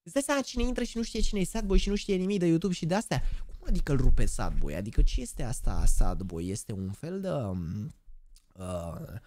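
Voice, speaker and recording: A man in his twenties, live streaming and chatting, hyper and joking, bursting into shouted catchphrases. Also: on the high side, big pitch swings, dry recording. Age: 20s. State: over-excited. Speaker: gaming streamer.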